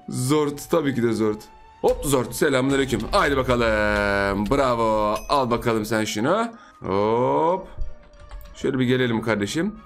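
A young man giving excitable, teasing gameplay commentary as a gaming YouTuber, laughing often. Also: mid-range voice, measured pace, creaky, long pauses, faint music behind.

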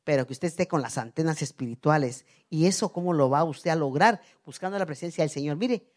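Una predicadora de mediana edad con acento guatemalteco, que predica con fervor en una iglesia y pasa de apartes suaves a exclamaciones fuertes. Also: female voice, sits low, fairly quick. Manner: fervent, swings from soft asides to loud cries. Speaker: preacher. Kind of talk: sermon. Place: church.

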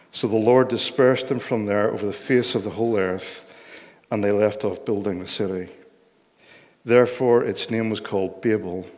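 A man's voice: fairly low pitch, a little mellow. Older male preacher, Northern Irish accent, explanatory sermon delivery, recorded in a hall with long reverb. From Northern Ireland. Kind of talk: sermon with Bible reading. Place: church hall, speaking from lectern on stage.

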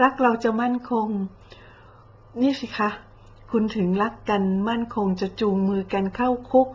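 A woman with a slightly high voice delivers sarcastic commentary, blunt and mocking, with coarse slang. The sound is a bit dull and lo-fi. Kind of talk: sarcastic social media commentary.

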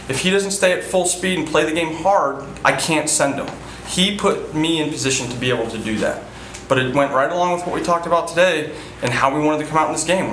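Standing before a sponsor backdrop in an indoor press room, a thirties-aged baseball manager fields post-game interview questions, earnest and repetitive, filling gaps with fillers and restarting often. His voice sits on the high side and is fairly bright, with roomy sound, a little hiss or hum, and rough recording quality.

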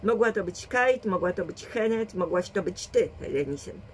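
A woman's voice: mid-range voice, expressive, a little hiss or hum, natural voice, rough recording. A woman voicing a shrewd, dry and commanding old grandmother who reasons firmly in a read storybook. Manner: measured, firm reasoning.

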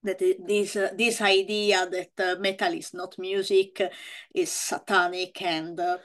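A woman's voice: fairly low pitch, a little slow. Italian woman hosting a video call. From Italy. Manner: chatty, hesitant with many fillers; animated hand gestures. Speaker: interview host. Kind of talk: casual video-call interview. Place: small bright room at home. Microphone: video call webcam.

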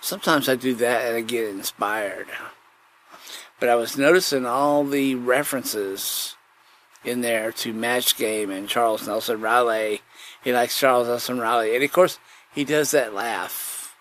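A man's voice: mid-range voice, a little slow, fairly bright tone. A man hosting a podcast with a rambling comic monologue, often repeating his phrases. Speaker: podcast host. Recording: noticeable background noise.

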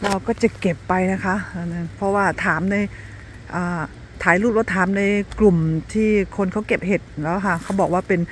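A woman's voice: mid-range voice, fairly even intonation, moderate pace, slight background noise. A middle-aged woman from Thailand narrating a casual vlog in a polite, chatty manner, with English words mixed in. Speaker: vlogger. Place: woods in Virginia.

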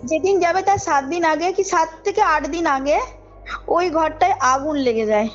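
A woman's voice: high voice, moderate pace. A woman tells a personal story as a caller, informally and emphatically, often checking that her listener follows. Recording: muffled call audio under loud music. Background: background music.

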